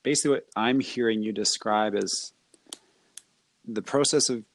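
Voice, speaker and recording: A man's voice: fairly low pitch, moderate pace. A man hosting an interview, asking long, enthusiastic questions that ramble with restarts. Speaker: podcast host. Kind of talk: interview chat.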